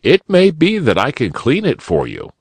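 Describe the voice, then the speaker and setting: A man voicing a jolly, kindly old male rabbit gentleman in a storybook reading. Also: on the high side, wildly swooping pitch, normal speed, husky, no echo, pitched above the performer's own voice, heavily acted.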